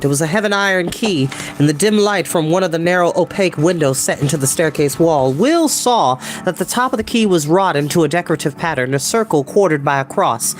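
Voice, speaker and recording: An expressive, theatrical storytelling host who reads books aloud and chats casually in between. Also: medium pitch, slight background noise. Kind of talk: animated storybook reading with chatty asides. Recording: background ambient music. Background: ambient music.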